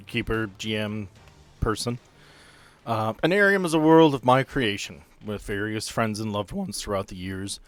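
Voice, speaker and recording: A man's voice: medium pitch, fairly bright tone, dry recording. A man hosting a podcast as game master, chatting casually and jokingly.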